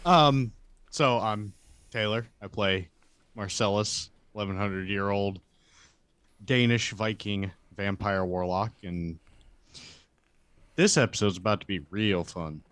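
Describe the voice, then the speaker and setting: A man's voice: fairly low pitch, unhurried, long pauses, fairly bright tone, clean tone, no room sound. A man chatting casually as a player on a tabletop game podcast. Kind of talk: casual chat.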